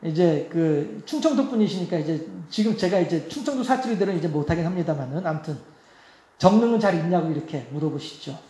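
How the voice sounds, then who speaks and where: A man's voice: fairly high pitch, expressive, quick pace, dark tone, slight background noise. A man preaching a sermon as pastor, in a chatty way, laughing often and asking the congregation rhetorical questions. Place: church sanctuary. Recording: echoey church hall.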